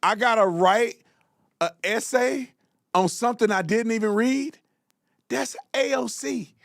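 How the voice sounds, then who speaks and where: A man with an African American Vernacular English accent hosting political commentary, mocking, exclaiming loudly and talking in slang. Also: extremely high pitch, measured pace, vocal fry, no room sound, studio quality.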